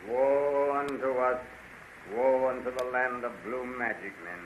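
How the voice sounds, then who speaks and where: A fearful courtier laments in slow, solemn tones, full of doom, as an actor voices him. His voice sits in the middle and sounds muffled, with a light hiss, like a 1930s radio transcription. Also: medium pitch, fairly even intonation, natural voice. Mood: lamenting. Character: wailing male courtier, doom-laden and fearful. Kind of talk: 1930s radio drama acting.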